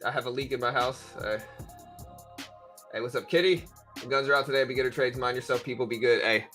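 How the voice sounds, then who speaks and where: A man hosts a livestream from home, tired and just out of bed, rambling in a loose, laid-back way. His voice has a bright, forceful edge even when he trails off. Faint music plays behind him. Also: medium pitch, fairly quick. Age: adult with a daughter. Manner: laid-back, rambling, says bro and you know a lot. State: just woke up, tired, voice deeper than usual. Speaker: livestream trading host. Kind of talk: casual livestream chat. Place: home in Texas.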